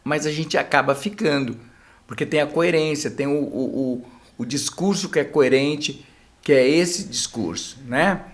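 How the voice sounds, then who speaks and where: On a casual podcast, a couples therapist guest, a middle-aged man with a Brazilian Portuguese accent, explains his points in a slightly high voice at a measured pace. Filler tags often close his phrases.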